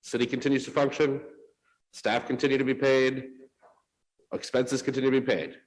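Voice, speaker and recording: A man speaking as a council vice president in a council meeting, measured, citing legal advice. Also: mid-range voice, little pitch movement, low-quality recording. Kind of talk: council floor remarks.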